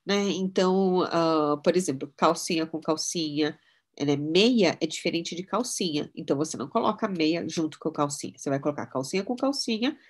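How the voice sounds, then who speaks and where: A middle-aged woman, a mind-mapping instructor, giving a casual teaching talk with personal anecdotes in a chatty, relaxed way. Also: low voice, normal speed. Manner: chatty, relaxed, often adds "né?" tags.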